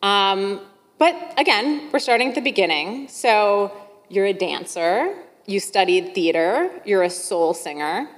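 A woman with a medium-pitched voice speaks as a podcast host. She is encouraging and emphatic, and her voice carries a long, hall-like reverb. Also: expressive, measured pace. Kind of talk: scripted monologue, then conversational interviewing.

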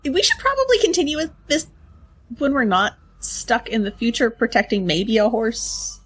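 Lively, husky-voiced woman player. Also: a little high, normal speed. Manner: lively, swears casually. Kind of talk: in-character tabletop play.

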